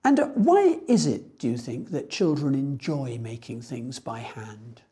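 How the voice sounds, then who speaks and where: A woman with a notably deep voice conducts a formal spoken exam. Her intonation rises and falls widely, and her tone is on the mellow side. She puts her questions in a measured, procedural manner. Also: big pitch swings, slightly rough. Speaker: speaking test examiner.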